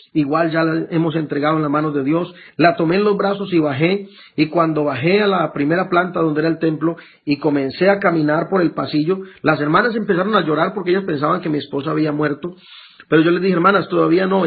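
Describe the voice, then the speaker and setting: A pastor giving an emotional sermon testimony to his congregation, halting and repeating words as he speaks. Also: fairly high pitch, gravelly, breathy edge. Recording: tinny lo-fi phone-like recording with faint music.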